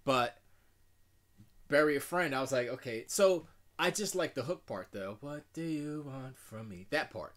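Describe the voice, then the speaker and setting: A middle-aged man with a deep voice, chatting casually and rambling in a self-deprecating way while streaming from his home music studio. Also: lively intonation, unhurried, a bit bright. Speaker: music producer streaming live. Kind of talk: casual live-stream chat.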